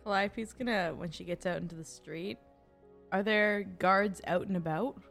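A woman's voice: mid-range voice, normal speed, creaky, a bit bright, faint music behind. A woman playing a tabletop game, playful and giggly as she asks questions. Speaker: player.

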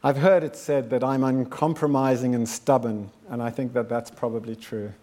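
A man in his fifties, raised in South Africa, delivering a prepared speech as a founder, measured and earnest, building his points with repeated phrases. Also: medium pitch, fairly even intonation, dark tone. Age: 50s. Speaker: founder giving a talk.

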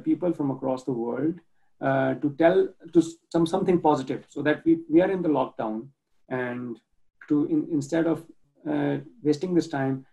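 Earnest gravelly man from Pakistan, dull audio. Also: a little high, dark tone. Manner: earnest, halting with many restarts and fillers. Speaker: nonprofit organizer, guest. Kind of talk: video call interview. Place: home in Germany.

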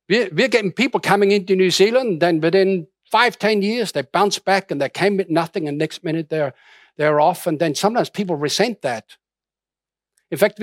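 A man's voice: high voice, no echo, clean studio sound. A middle-aged man from Austria preaching a sermon in a conversational way, with many restarts and fillers. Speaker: pastor.

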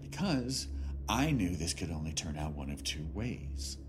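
An arrogant, heavyset lawyer in a radio drama, biting and full of contempt. He speaks slowly and deliberately, with big swings in pitch. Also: very animated, noisy background. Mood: cold, bitter. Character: obese, arrogant, scornful lawyer son, coldly resentful. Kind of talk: audio drama acting.

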